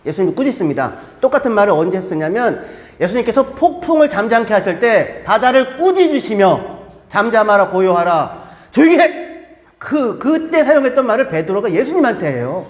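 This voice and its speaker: A man preaching a sermon as a pastor, animated and acting out voices with shouts. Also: high voice. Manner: animated, acts out crowds and disciples with shouts. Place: church. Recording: echoey church hall.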